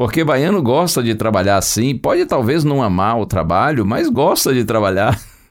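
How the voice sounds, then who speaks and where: A man with a normal speaking voice talks at a moderate pace and medium pitch, with lively intonation, very even loudness and hardly any pauses. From Bahia, Brazil (Vitória da Conquista). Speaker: radio preacher. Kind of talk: radio sermon.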